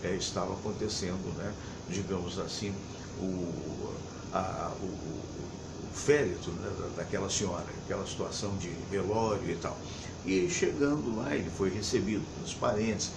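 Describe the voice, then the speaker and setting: Low-voiced man telling a story in an echoey room. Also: gravelly. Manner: halting, repeats words before finding them, then builds up with emphasis. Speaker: TV program host. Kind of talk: storytelling to viewers. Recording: echoey room with background noise.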